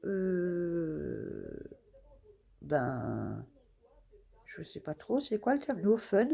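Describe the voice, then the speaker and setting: A woman's voice: fairly low pitch, very animated, drawn-out words, vocal fry, warm tone, husky. A woman casually showing craft stamps in a vlog, talking hesitantly with many fillers and laughing at her own guesses. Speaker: scrapbooking vlogger.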